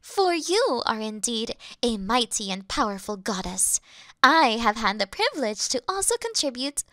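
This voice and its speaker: A woman's voice: a little high, sing-song, moderate pace, fairly bright tone, no echo, studio quality. A woman voicing a fawning demon servant girl. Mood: adoring. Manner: worshipful, fawning, flustered giggles. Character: adoring devoted female demon servant. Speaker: voice actress in an audio roleplay. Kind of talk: scripted audio roleplay.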